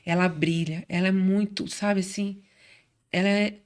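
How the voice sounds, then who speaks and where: A woman's voice: medium pitch, steady tone, a little slow. A middle-aged woman from Brazil telling her faith story in casual chat, acting out quoted voices as she goes. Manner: warm chatty storyteller, acts out quoted voices. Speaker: guest.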